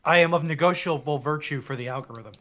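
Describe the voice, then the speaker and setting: A man's voice: a little high, fast talker, fairly bright tone. A man co-hosting a casual livestream, speaking conversationally with a dry, joking manner. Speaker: livestream co-host.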